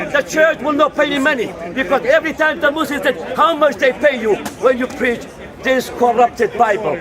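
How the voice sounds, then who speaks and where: Over crowd noise in the background, a man with a Kurdish accent speaks at a fairly quick pace in an extremely high pitch with ordinary variation. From Kurdistan. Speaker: street preacher. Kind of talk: street preaching. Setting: outdoors in a public park. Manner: impassioned.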